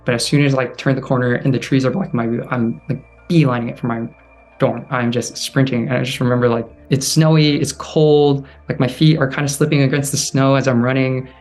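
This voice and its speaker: A man quietly recounting a painful personal experience in an interview, halting and full of "like", dropping softer when he voices his inner thoughts. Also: mid-range voice, steady tone, faint music behind. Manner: halting, heavy use of "like", restarts. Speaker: storyteller guest.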